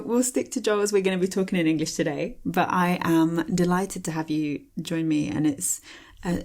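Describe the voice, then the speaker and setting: A bubbly woman hosting a language podcast, speaking in a fairly low voice. She gushes warmly about her guest and scatters fillers through her chatty introduction. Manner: bubbly, gushing, many fillers. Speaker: podcast host. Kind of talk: enthusiastic interview intro. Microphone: recording a video intro.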